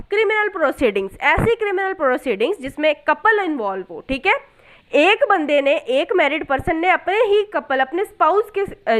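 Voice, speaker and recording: A woman with a distinctly high-pitched voice and a South Asian accent teaches law in lecture style. She explains point by point, poses questions and then answers them, and switches into English for technical terms. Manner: explains step by step with rhetorical questions and examples; code-switches between Hindi-Urdu and English terms. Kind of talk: explanatory lecture on statute articles.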